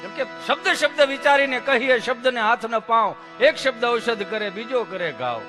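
A man telling folk jokes and stories on stage before a seated audience, with lively, preachy asides, into a stage microphone. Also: extremely high pitch, normal speed, over music. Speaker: folk comedian and storyteller. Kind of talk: stage folk humor storytelling.

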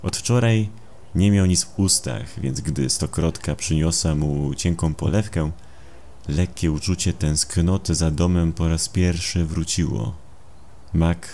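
A man narrating a dramatised horror story in a gravelly voice, slow and brooding in his delivery. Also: very deep voice, mellow, slight background noise. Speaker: audiobook narrator. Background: atmospheric sound effects.

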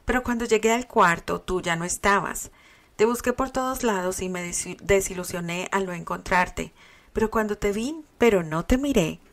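A woman's voice: medium pitch, normal speed, fairly bright tone, close to an everyday voice. Terry, as a woman reader voices him, tender young man. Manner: tender, teasing. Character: young man, proud teasing sweetheart.

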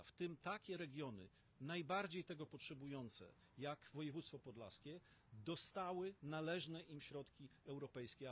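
Husky middle-aged man at a press podium. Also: fairly high pitch. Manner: emphatic, rallying, with pauses and fillers. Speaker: opposition politician. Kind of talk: press conference statement. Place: outdoor terrace in front of a banner. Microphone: cluster of stand mics.

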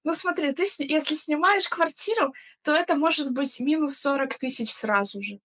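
A young woman talks over a video call in a loose, hesitant way, padding her thoughts with fillers. Her voice sits a little high for a woman. She is from the Russian Far East. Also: moderate pace, a bit bright. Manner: hesitant, filler-heavy, unsure. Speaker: chat roulette guest. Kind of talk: casual chat.

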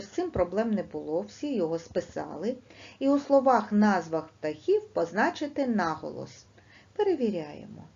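A middle-aged woman, teaching second graders in a lively, sing-song way and stretching words out slowly. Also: medium pitch, husky. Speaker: primary school teacher. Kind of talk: online lesson for second graders. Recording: dull lo-fi sound.

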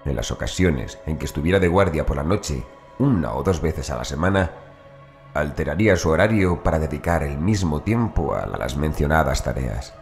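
Horror audiobook narrator: man with a very deep voice, formal measured delivery, over music. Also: lively intonation, gravelly. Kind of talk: scripted horror story narration.

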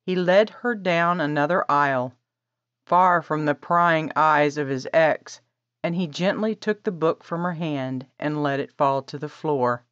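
A woman narrating a romance audiobook in a measured, even storytelling manner. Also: sits low, dry recording, lo-fi sound. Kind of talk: scripted narration.

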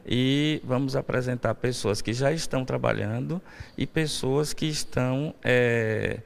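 Speaking into a handheld reporter mic outdoors on a university campus, a professor in his forties explains an event in a live TV interview. His mid-range voice is gravelly and measured, full of fillers, with a little hiss or hum in the recording.

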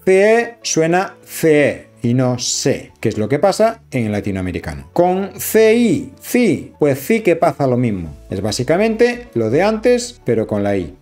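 A man with a Spain Spanish accent talks through a programming tutorial in a relaxed, explanatory way, dropping fillers as he goes. His voice sits a little high and moves a lot in pitch. Faint music plays underneath. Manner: explanatory, chatty, frequent fillers. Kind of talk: screen-recorded coding tutorial.

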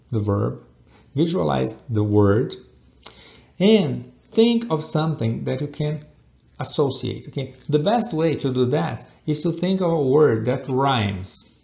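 A man teaching an English lesson, explaining slowly, repeating example phrases and asking "okay?" again and again. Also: medium pitch, vocal fry, darkish tone. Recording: dull lo-fi recording.

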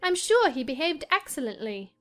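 Spoiled, excitable young lady of a classic novel, played by a woman; high voice, emphatic, music underneath. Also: moderate pace. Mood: insistent. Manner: emphatic, self-assured. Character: willful, spoiled, excitable young gentlewoman, married. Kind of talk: dramatized audiobook reading of a classic novel.

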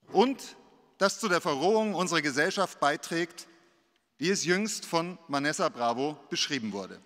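A man's voice: high voice, sharp tone. Middle-aged man, earnest rhetorical council speech, slightly raised voice, lectern mic, long hall reverb. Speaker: invited business speaker. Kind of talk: formal speech to a city council. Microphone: lectern gooseneck microphone.

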